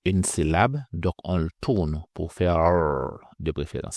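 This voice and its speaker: Slow, deep-voiced man teaching pronunciation. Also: no echo, studio quality. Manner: slow, careful, repeats sounds for practice. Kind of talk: phonetics lesson with drills.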